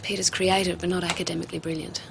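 An actress playing a psychiatrist who speaks calmly and patiently. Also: female voice, lowish voice, creaky. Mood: measured, gentle. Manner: calm, measured, explaining patiently. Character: calm, measured female psychiatrist, middle-aged. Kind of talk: television drama acting. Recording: noisy TV soundtrack.

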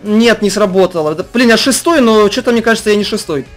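A young man casually commenting on an online race with friends, excitable and grumbling, often repeating his phrases. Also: high voice, fast talker. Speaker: gaming video host playing an online race. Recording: music behind the voice. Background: music.

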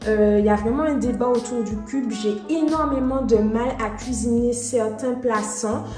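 Chatty high-voiced woman in echoey kitchen. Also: moderate pace, soft background music. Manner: chatty and relaxed, with frequent fillers and small laughs. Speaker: vlogger cooking at home. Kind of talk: casual cooking commentary. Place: home kitchen.

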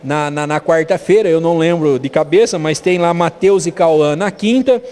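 Man, Brazilian accent, fifties, high-pitched voice, mayor explaining in an interview, reverberant room. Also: moderate pace, darkish tone. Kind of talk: TV interview answers. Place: indoor room. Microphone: handheld interview microphone.

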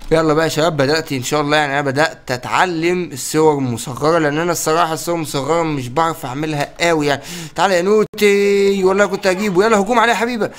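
A young man with an Egyptian accent giving excited let's-play commentary, often exclaiming and laughing. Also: fairly high pitch, rapid-fire, hardly any pauses. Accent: Egyptian Arabic. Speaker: gaming YouTuber.

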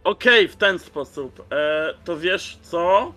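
A man talks through his moves as a player in a tabletop game. His voice is high and forceful in tone but halting in delivery, with faint music behind. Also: expressive. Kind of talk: casual game-table talk. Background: faint background music.

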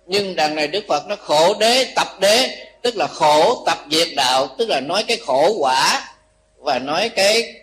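Older monk. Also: male voice, a little high, normal speed. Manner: lively storyteller, asks the audience questions. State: tired. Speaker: Buddhist monk preaching. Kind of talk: dharma talk with storytelling. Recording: faint background noise.

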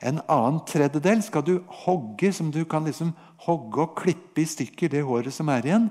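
A man's voice: on the high side, expressive, a little mellow. A man with a Norwegian accent teaching the Bible on a podcast, retelling a prophet's story in a vivid, storytelling way and voicing God's words.

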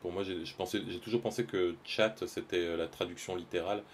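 A man's voice: deep voice, fairly even intonation, a little fast, slight background noise. A man, chatting casually and hesitantly with his stream viewers while he draws live, full of fillers and restarts.

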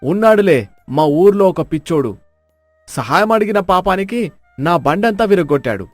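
A man voicing an aggrieved village farmer in an animated moral story, talking in a complaining way. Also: high-pitched, normal speed, no room sound, soft background music. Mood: resentful.

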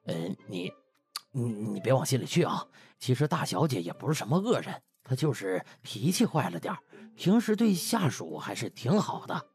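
A man's voice: medium pitch, big pitch swings, moderate pace, darkish tone, faint music behind. A man voicing a flustered house butler, bossy and placating by turns, in a comic audiobook. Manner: coaxing superiors, snapping at underlings.

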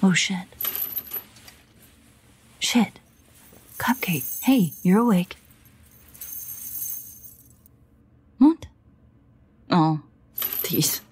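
A woman's voice: lowish voice, lively intonation, extremely slow, long pauses, darkish tone, husky, exaggerated voice. A woman acting a sardonic, protective, foul-mouthed vampire in an intimate audio roleplay, grumbling sarcastically with hesitant asides. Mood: relieved, awkward.

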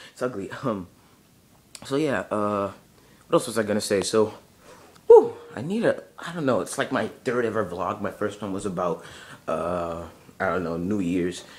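Young male vlogger, lowish, sleepy morning voice, hesitant and filler-heavy, camera mic in a bedroom. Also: a little hiss or hum. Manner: rambling, hesitant, many fillers. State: groggy morning voice, just woke up. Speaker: channel owner. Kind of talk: casual vlog. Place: bedroom at home.

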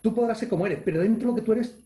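Spanish-male coach, online webinar, energetic and demonstrative, warm mellow tone, roomy echo over a video call. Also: high voice, rapid-fire. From Spain. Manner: energetic, acts out gestures and exclamations, reads chat questions aloud. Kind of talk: live online leadership webinar.

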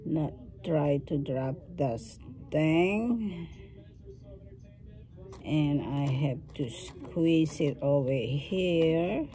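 A woman talking slowly through a jewelry-making tutorial, thinking aloud as she works with her hands, with some non-native phrasing. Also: sits low, animated, dark tone. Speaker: craft video host. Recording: faint background noise.

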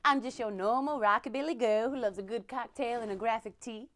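A woman's voice: a little high, a little fast, natural voice. A woman playing a brash, self-satisfied rockabilly burlesque hostess with showy emcee patter in a comedy monologue. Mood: showy, smug.

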